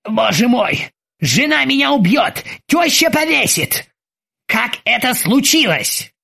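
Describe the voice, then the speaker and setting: A woman's voice: fairly high pitch, sing-song, slow pace, gravelly, a bit bright, husky, pitched above the performer's own voice, exaggerated voice. Woman putting on a ranting, irritable ship captain. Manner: exclamatory, ranting. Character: irritable, self-pitying male ship captain.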